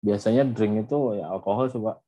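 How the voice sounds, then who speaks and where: A man taking part in a class as a trainee, giving short, unhurried answers. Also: fairly low pitch, mellow, highs cut off.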